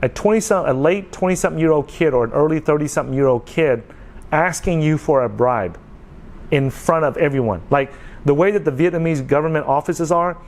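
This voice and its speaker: A man's voice: fairly high pitch, a little fast, darkish tone. A man in his forties talking casually to his viewers, earnest and repetitive, often checking in with "okay.". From United States. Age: 40s. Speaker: vlogger. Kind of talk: casual talk to camera.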